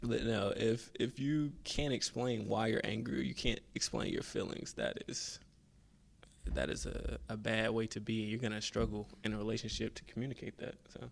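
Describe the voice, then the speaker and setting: The man's voice sits at a medium pitch and shows vocal fry. His pitch varies in an ordinary way. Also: moderate pace. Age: 20s. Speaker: podcast co-host. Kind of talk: casual chat.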